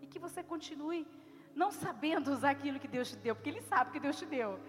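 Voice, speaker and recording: A woman preacher delivering a sermon in an earnest manner, slowing down to stress single words. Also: sits high, lively intonation, big-room sound. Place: church.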